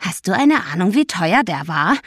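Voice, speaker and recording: A woman voicing an angry, self-righteous ten-year-old boy who speaks in a loud, accusing voice. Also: on the low side, big pitch swings, moderate pace, slightly rough, dry recording, studio quality. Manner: indignant, raised voice.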